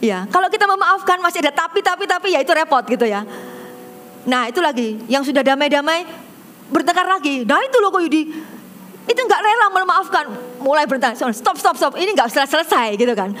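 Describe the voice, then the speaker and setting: A woman pastor preaching a sermon, telling a counseling story with animated swings between loud emphasis and soft asides. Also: high-pitched, a little fast, slight background noise.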